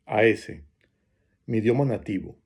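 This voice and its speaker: A man from Venezuela with a Venezuelan Spanish accent, giving a reflective spoken essay and pausing often between phrases. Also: fairly low pitch, slightly rough.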